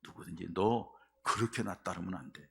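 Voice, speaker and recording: Male pastor, sermon; husky and gravelly, lower voice, lively storytelling that builds to emphasis. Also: normal speed. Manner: animated storytelling, rising to emphatic; leads the congregation in call and response.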